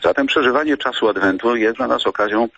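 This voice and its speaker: A male Catholic clergyman giving a reflective radio talk, measured and halting, with frequent pauses and fillers. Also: medium pitch, fairly bright tone, no room sound. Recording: dull lo-fi radio sound.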